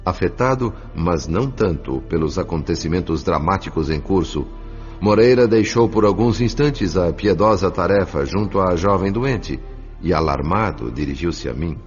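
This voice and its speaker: A man's voice: sits low, expressive, moderate pace. A Brazilian man giving a dramatic scripted narration for an audiobook radio drama. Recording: dull lo-fi audio with music.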